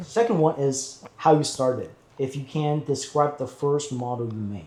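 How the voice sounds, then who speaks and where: A man talks at a moderate pace with a fairly high pitch and ordinary pitch variation. His tone is dark and mellow, and somewhat breathy. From China. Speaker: podcast host. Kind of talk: interview.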